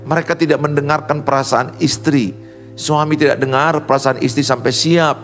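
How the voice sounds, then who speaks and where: Seorang pendeta pria menyampaikan khotbah dengan penuh penekanan. Suaranya naik turun antara nada tinggi dan rendah. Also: male voice, steady tone, normal speed, fairly bright tone. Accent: Indonesian. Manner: emphatic preaching, swings high and low. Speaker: pastor. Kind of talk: sermon. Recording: long reverb with faint music.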